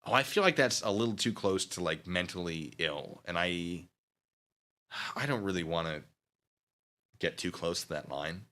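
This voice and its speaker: A man's voice: deep voice, normal speed, pauses often, pushed and bright. A man live streaming, rambling casually with mock-petty sarcasm while reading chat.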